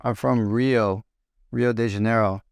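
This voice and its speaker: A man's voice: lowish voice, steady tone, no echo, studio quality. A man playing a friendly airline passenger. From Brazil. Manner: slow, clearly repeated sentences. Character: friendly male airplane passenger, adult. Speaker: role-play partner in a practice dialogue. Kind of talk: acted example dialogue for learners.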